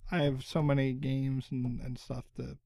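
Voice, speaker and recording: A man's voice: mid-range voice, little pitch movement, creaky, dark tone, no room sound, clean studio sound. A man joining a podcast in casual chat, talking hesitantly and restarting his sentences. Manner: hesitant, halting, restarts often.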